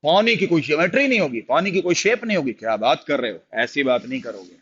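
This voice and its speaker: A man's voice: fairly high pitch, sing-song, quick pace, a bit bright, breathy edge, lo-fi sound. A man with an Indian accent teaching chemistry in a live online class, chatty and encouraging, repeating phrases in a sing-song way. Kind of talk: live online class, reading out student replies.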